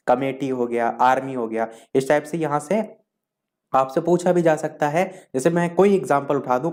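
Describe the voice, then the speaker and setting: A male teacher giving an exam revision lesson, explaining step by step and listing terms one by one, slowing down to read out definitions. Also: medium pitch, darkish tone. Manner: slows down to read out English definitions.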